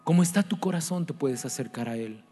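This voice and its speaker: A man preaches with earnest, pleading urgency, his voice sitting a little high. Long reverb trails his words, and soft music plays underneath. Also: animated, fairly quick. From Mexico. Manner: earnest, pleading, repeats rhetorical questions to the congregation. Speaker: pastor. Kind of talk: sermon.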